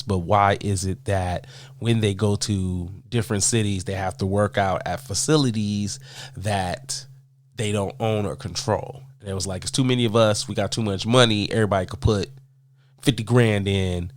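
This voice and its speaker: A man with a cold, sounding stuffed up, rants casually and emphatically to his viewers, answering their questions and repeating points for effect. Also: lowish voice. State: congested from a cold. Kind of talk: casual opinion rant.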